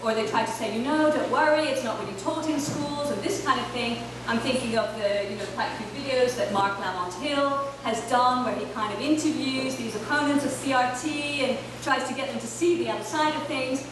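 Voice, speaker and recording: A woman raised in Ireland delivers an academic keynote from a panel table, measured and thoughtful, pausing on fillers as she goes. Her voice sits fairly high. The sound is distant and heavily echoing around a large hall, with noise underneath. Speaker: keynote speaker. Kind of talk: academic lecture. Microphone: table microphone, heard from far off. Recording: echoey hall from far off, noisy.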